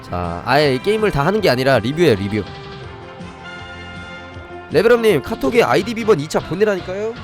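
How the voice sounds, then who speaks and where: A man's voice: on the high side, sing-song, moderate pace, pauses often. Man, game stream host, very varied intonation, step-by-step commentary, talking to viewers, faint background music. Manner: demonstrates step by step while breaking off to address viewers. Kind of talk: live gaming commentary and review, chatting with viewers.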